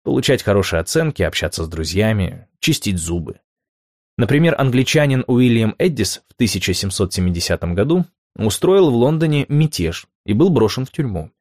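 A man narrating nonfiction in a measured, clear storytelling manner, posing rhetorical questions along the way. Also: fairly low pitch, sing-song, darkish tone, no echo, clean studio sound. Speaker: audiobook narrator.

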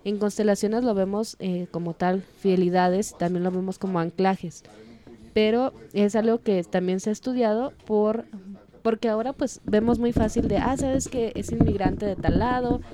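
A woman's voice: mid-range voice, steady tone, moderate pace, mellow. A Mexican woman from Durango, chatting on a podcast as a therapist, explaining ideas conversationally and acting out imagined dialogue. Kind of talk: casual explanatory chat. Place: studio in Guadalajara.

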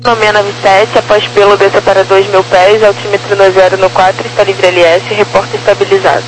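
An air traffic controller with a Brazilian accent speaks in clipped radio phraseology, handing out clearances and instructions. The voice comes over an air traffic control radio channel with clear hum and noise. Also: medium pitch, flat delivery, a little fast. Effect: radio transmission.

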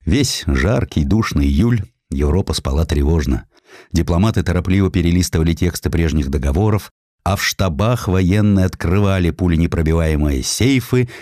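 A man reading historical prose as a dramatic, measured audiobook narrator. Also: deep voice, dark tone, no room sound, studio quality.

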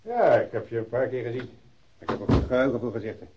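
An actor playing an older widowed policeman in a radio drama, lonely, curt and stubbornly loyal, with a husky voice. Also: mid-range voice, very animated, fast, background noise, lightly acted. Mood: lonely, weary. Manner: curt, defensive, stonewalling. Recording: dull, muffled old radio recording.

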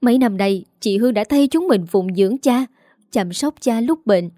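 Indignant outspoken daughter, read by a woman storyteller; mellow, dry voice. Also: fairly high pitch, expressive, moderate pace, no room sound. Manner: scornful and pleading.

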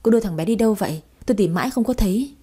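A woman doing a brisk, bossy nurse. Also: mid-range voice, animated, warm tone, husky. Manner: brisk and scolding.

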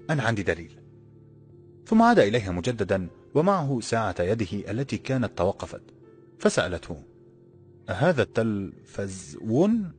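A man narrating an audiobook in a brisk, even storytelling manner. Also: lowish voice.

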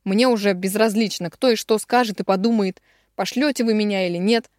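A woman's voice: mid-range voice, a little fast, a little mellow, dry recording, clean studio sound, natural voice. A woman reading an audiobook, voicing a weary man who confesses in a heavy, subdued way. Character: man in his thirties, weary, confessing, resolute.

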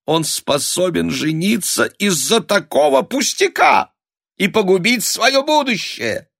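A man's voice: high-pitched, expressive, unhurried, gravelly, fairly bright tone, slightly rough, dry recording, studio quality, voice pushed up, heavily acted. A man voicing a hysterical aging countess who wails in melodramatic, breathless exclamations. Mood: shrill hysterical. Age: older. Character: hysterical aging countess mother, shrill and dramatic.

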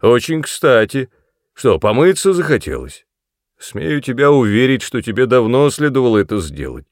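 A man voicing a crude, bullying middle-aged man who talks loudly and mockingly, with a creaky voice. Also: lowish voice, big pitch swings, a little slow, no echo, studio quality, full character voice. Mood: gruff, mocking. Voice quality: loud, gruff, mocking.

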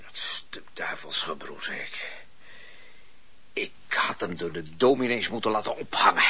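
A man playing an exasperated, desperate husband in a radio drama, halting and indignant. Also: low voice, sharp tone, husky, full character voice. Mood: bitter. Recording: muffled, noisy old radio recording.

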